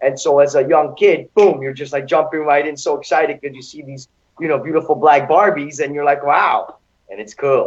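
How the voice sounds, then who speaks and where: A man with an ordinary speaking voice, fairly high in pitch, at a moderate pace, with big swings in loudness. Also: fairly even intonation. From Seattle, US West Coast (born in Hungary). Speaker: guest on talk show. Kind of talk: casual chat.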